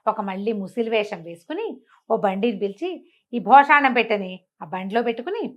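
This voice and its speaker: Older female storyteller, slightly high voice, acts out the characters. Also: fairly quick, dull audio. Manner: acts out characters' lines with lively pitch swings. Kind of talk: animated folk-tale narration.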